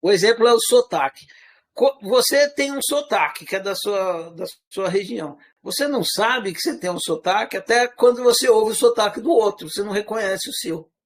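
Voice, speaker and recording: A man with a fairly high voice and a Brazilian accent that mixes Minas Gerais with rural caipira. He lectures in a loose, conversational way and keeps asking his listeners questions. His pitch and loudness swing widely as he makes his points. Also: moderate pace. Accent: Brazilian Portuguese, part Minas Gerais, part rural caipira. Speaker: teacher. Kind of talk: informal spoken lecture.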